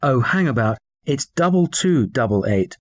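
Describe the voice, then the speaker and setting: Brief: easygoing male customer, clear studio read. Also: mid-range voice, very animated. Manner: spells and reads out details slowly, casual. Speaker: customer and caller in scripted dialogues. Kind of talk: scripted listening-exercise dialogue.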